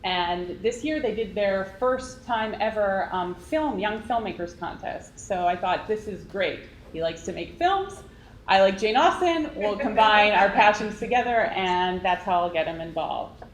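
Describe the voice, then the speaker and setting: A woman's voice: mid-range voice, expressive, a little slow. Hesitant woman presenting in an echoey room. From Israel. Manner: hesitant, frequent ums. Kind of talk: prepared presentation. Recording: echoey room, faint noise.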